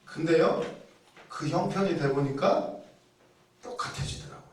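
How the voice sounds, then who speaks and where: A man's voice: on the high side, measured pace. A man preaching a sermon in a chatty way, asking rhetorical questions and acting out people's inner thoughts. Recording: very echoey room, heard from a distance.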